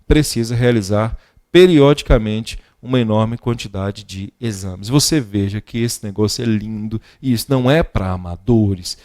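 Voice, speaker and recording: A man's voice: fairly low pitch, normal speed, darkish tone. A man teaching legal writing in an online grammar lesson. He explains emphatically, keeps asking rhetorical questions and answers them himself.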